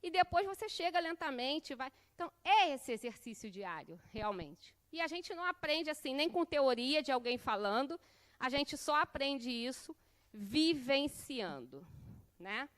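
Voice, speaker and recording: A middle-aged woman gives a lesson in a chatty, conversational way. Her voice sits high, and she keeps checking in with her listeners by ending her sentences with a questioning "né". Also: big pitch swings, unhurried, fairly bright tone. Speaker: course instructor. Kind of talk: conversational lesson with personal anecdotes.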